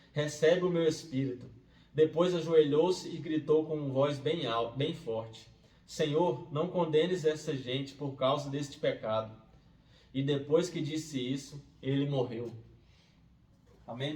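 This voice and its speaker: A man reads scripture aloud at a steady pace, then speaks a short devotional reflection in a quieter, conversational way. His voice sits at a middle pitch. It is recorded from a little way off the mic in a roomy space, with a faint hiss underneath. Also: far from the mic. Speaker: Bible reader and devotional host.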